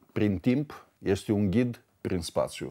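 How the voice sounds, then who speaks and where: The voice has a dark, mellow tone and moves at a very slow pace against a quiet background. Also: man. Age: 50s. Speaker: musicologist and university lecturer; university lecturer. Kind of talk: panel discussion. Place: studio. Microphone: lapel.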